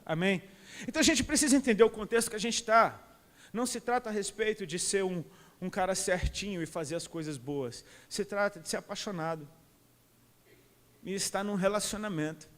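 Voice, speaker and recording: A man's voice: sits high, expressive, a little fast, a bit bright. A middle-aged man with a Brazilian Portuguese accent preaching a sermon in an impassioned, colloquial way. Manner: impassioned, colloquial, calls listeners "cara". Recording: long reverb of a large hall.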